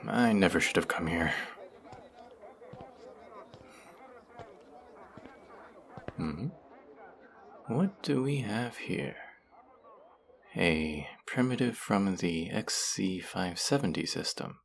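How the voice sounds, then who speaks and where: A man playing a haughty, cruel yet curious alien buyer in an audio roleplay, talking down to the listener in a deliberate, condescending murmur. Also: deep voice, creaky, breathy edge, heavily acted. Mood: disdainful, curious.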